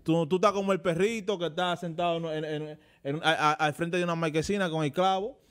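A man's voice: a little high, steady tone, a little fast, a bit bright, clear, resonant tone. A man with a Dominican Spanish accent co-hosting a talk show, scolding and indignant in a studio debate, stumbling over his words as he tells anecdotes.

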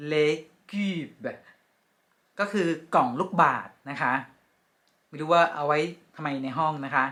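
A woman teaching French vocabulary from picture cards, speaking slowly and politely and repeating each word with care. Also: low-pitched. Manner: polite, ending phrases with soft particles. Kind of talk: casual lesson with picture cards.

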